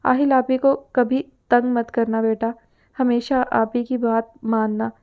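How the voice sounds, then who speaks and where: A woman's voice: fairly high pitch, little pitch movement, clean tone, natural voice. A woman reading as a tearful pleading mother. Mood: tender. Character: desperate, tender mother of two. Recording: narrow phone-like sound.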